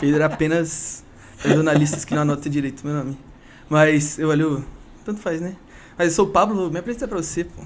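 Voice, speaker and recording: Long, frequent pauses break up a man's fairly quick speech, which sits at a fairly high pitch with ordinary pitch variation. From Bahia, Brazil (Vitória da Conquista). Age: 20s. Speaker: medical student, former prep-course student. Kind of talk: casual podcast interview.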